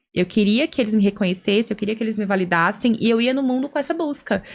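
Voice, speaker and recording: Recorded very cleanly against a silent background, a somewhat breathy voice moves at a fairly quick pace with ordinary pitch variation. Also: woman. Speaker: human development and sales specialist. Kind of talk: podcast interview. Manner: fast.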